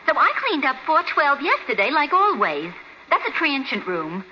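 An actress playing a naive, nervous hotel chambermaid with folksy working-class diction, in 1940s radio drama style. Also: female voice, high voice, very animated, normal speed, sharp tone, heavily acted. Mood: matter-of-fact. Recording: muffled, noisy 1940s radio recording.

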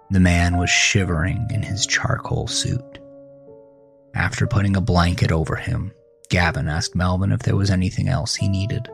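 A man's voice: sits low, creaky. A man narrating a horror thriller story in a scripted, dramatic storytelling style. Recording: close dry voice over faint music. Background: faint music.

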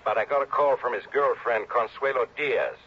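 A man's voice: mid-range voice, moderate pace, breathy edge, lightly acted. An actor playing an earnest, slightly hesitant businessman phoning a detective in a 1960s radio drama. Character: businessman calling a detective on the phone. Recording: dull lo-fi old radio broadcast.

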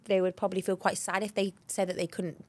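A woman's voice: mid-range voice, level tone, fast. A British woman in her early thirties co-hosting a podcast, chatting casually, swearing now and then and acting out what people say. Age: 30s. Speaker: podcast co-host. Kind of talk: casual chat.

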